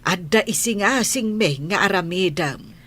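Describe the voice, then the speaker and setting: A woman playing a slow-spoken, gentle grandmother. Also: mid-range voice, animated. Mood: supportive.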